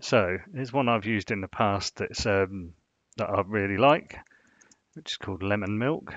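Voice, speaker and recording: Rambling man with a low voice. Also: measured pace, fairly bright tone, dry recording. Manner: rambling, full of "you know" fillers. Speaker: design channel host. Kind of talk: casual screen-share tutorial. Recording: dull, dry lo-fi sound.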